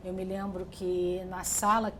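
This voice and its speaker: A woman's voice: on the low side, level tone, measured pace, slight background noise. A middle-aged woman, telling her life story in an oral history interview, thoughtful and full of restarts. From Brazil. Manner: reflective, with frequent restarts and fillers.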